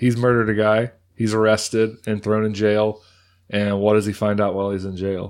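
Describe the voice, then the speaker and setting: Playful in tone, a man speaks at a moderate pace. His intonation stays monotone and flat. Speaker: podcast host. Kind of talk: casual chat. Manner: joking, playful.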